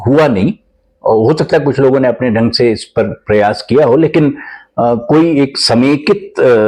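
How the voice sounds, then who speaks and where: Here a man at medium pitch talks at a moderate pace in a dark, mellow tone, his loudness very even and his pitch varying in an ordinary way. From India, Ayodhya region. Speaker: journalist and author. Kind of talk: interview.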